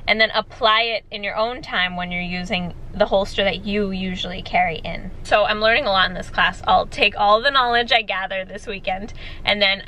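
A woman's voice: mid-range voice, steady tone, normal speed, pushed and bright, slight background noise, low-quality recording. Chatty woman vlogging from her car. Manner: chatty, laughs between words. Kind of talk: casual vlog talk to camera. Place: inside a parked car. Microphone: phone camera at arm's length.

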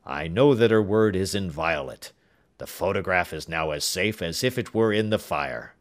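A man reading as an excitable, grandly emotional king, loud and effusive. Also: low voice, moderate pace, natural voice.

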